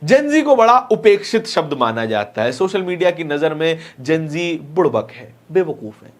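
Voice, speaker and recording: A man presenting political news commentary, explaining things emphatically and repeating phrases for stress. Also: a little high.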